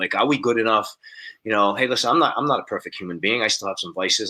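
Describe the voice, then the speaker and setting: A bright, sharp tone in an East Coast accent, with ordinary pitch variation. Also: man. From Rhode Island. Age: 50s. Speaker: fitness entrepreneur. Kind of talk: podcast interview. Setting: studio. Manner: many fillers, self-corrections.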